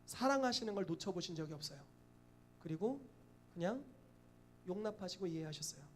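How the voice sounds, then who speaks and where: A man with a fairly high voice delivers a sermon from the pulpit, lively and expressive, slipping into acted voices and breaking into laughter. A faint hiss sits under the church recording. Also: a little fast. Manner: lively, acts out quoted voices, laughs often. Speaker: pastor.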